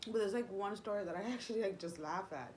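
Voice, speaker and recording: A woman's voice: medium pitch, fast talker, a little mellow, slight background noise. A young woman, a native Spanish speaker, telling a personal story in a rambling, confiding way with many fillers and restarts. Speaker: vlogger.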